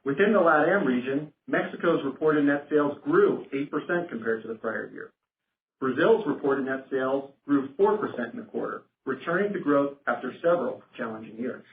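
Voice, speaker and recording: A man delivers a formal finance presentation during a corporate earnings call, speaking at normal speed in a medium pitch with lively intonation. Heard over a conference phone, the audio has a roomy quality and clear hiss.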